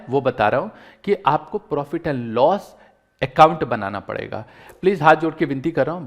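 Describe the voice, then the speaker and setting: A man teaching accounts in an online lecture, earnest and encouraging, pleading with students and fellow teachers as he explains each step. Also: a little high. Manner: earnest, pleading and encouraging, mixing English terms into Hindi.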